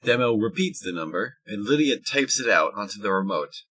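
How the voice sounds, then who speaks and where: A man reading scripted third-person narration for an audio drama in a husky voice. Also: on the low side, expressive, fairly quick, sharp tone.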